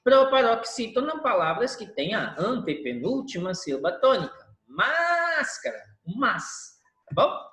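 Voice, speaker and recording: A woman teacher gives a recorded review lesson. Her voice rises and falls a great deal, and she holds stressed syllables long to show how the words are stressed. The recording has a clear echo from the room. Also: mid-range voice, very animated, normal speed, few pauses. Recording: echoey room.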